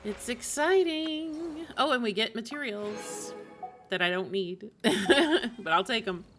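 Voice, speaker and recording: A woman's voice: a little high, slow, a bit bright. A woman live-streaming a video game, chatting informally and thinking aloud in a rambling way. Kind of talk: casual chat while streaming a game. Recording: music behind the voice. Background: video game music.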